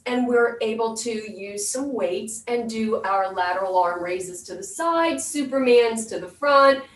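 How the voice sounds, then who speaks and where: A woman fitness instructor leading an exercise class, giving step-by-step instructions and counted cues. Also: a little high. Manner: clear step-by-step cueing. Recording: roomy echo, distant microphone.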